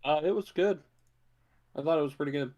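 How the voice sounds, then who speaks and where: A man co-hosting a podcast, chatting casually about movies in a low-key, hesitant way. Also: fairly quick, darkish tone. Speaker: podcast co-host.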